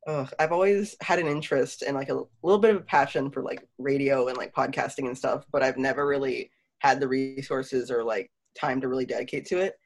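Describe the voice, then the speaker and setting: A young woman with a deep voice, a first-time podcast guest who talks in a relaxed, self-deprecating way and laughs often. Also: a little fast, few pauses. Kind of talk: casual podcast chat.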